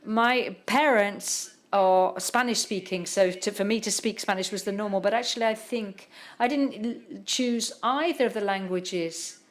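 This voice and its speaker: A woman interpreting a literary panel talk live, speaking haltingly with frequent pauses and restarts. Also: mid-range voice.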